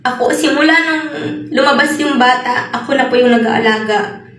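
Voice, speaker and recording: A woman from the Philippines working abroad as a nanny, giving a soft-spoken, polite personal account. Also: high-pitched, moderate pace. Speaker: overseas nanny. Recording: echoey room with faint noise.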